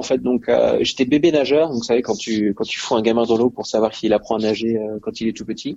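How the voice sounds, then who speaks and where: Medium in pitch, a man speaks at a moderate pace. His pitch varies in an ordinary way. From Paris region, France. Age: 20s. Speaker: ultra-trail runner. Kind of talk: interview conversation. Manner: hesitant, frequent repetitions.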